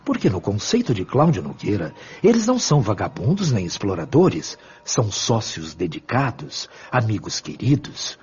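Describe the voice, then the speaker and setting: An actor playing a wise, benevolent spiritual mentor in a radio drama, speaking in a measured, formal, teaching manner. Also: male voice, lowish voice, very animated, a little mellow, slightly rough, highs cut off, full character voice. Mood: patient, earnest.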